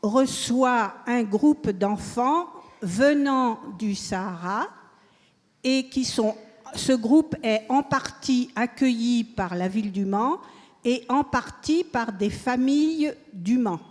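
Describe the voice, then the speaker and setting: Lady in the audience asking a question, slow and careful, echoey hall. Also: fairly high pitch, a little mellow. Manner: measured, deliberate. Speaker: audience member. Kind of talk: asking a question at a public talk. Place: large hall at a public event. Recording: reverberant hall.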